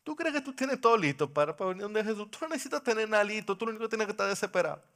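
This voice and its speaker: A male pastor preaching a sermon into a microphone, impassioned, swinging from loud cries to hushed pleading. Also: high voice, expressive, racing.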